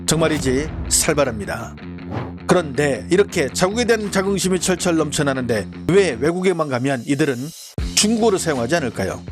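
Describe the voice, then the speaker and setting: A man narrating as a channel host in a formal, scripted news-commentary style. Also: a little high. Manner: brisk, formal delivery.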